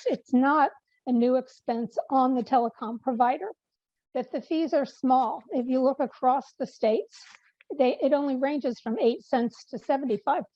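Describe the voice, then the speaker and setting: A woman's voice: sits high, mellow, no room sound, lo-fi sound. A woman giving a policy update on a video call, losing her voice, with many fillers and restarts. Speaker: policy presenter. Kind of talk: online meeting update.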